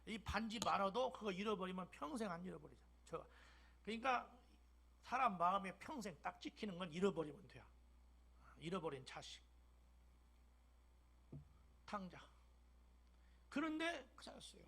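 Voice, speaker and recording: Older male pastor, Jeolla dialect, high and gravelly, emphatic sermon delivery with whispered asides. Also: animated, moderate pace, pauses often. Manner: emphatic preaching with sudden loud bursts and soft whispered drops. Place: church sanctuary.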